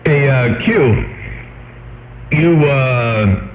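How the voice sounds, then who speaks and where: A man's voice: medium pitch, expressive, very slow. A man chatting casually over CB radio, drawling in trucker-style lingo with handles and codes. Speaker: CB radio operator. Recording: echoey dull CB radio transmission.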